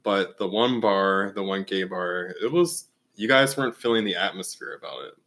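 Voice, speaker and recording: A man in his late twenties co-hosting a chatty podcast with friends. He teases the others and keeps moving the talk along to new topics. His voice sits a little low for a man. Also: moderate pace, fairly bright tone. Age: late 20s. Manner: teasing, steers the conversation. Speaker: podcast co-host. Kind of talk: casual chat.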